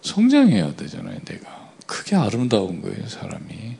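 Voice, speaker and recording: A man preaching a sermon, often asking the congregation for agreement and swinging between loud emphatic bursts and quiet asides. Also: lowish voice, huge pitch swings, normal speed, vocal fry, husky. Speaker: pastor.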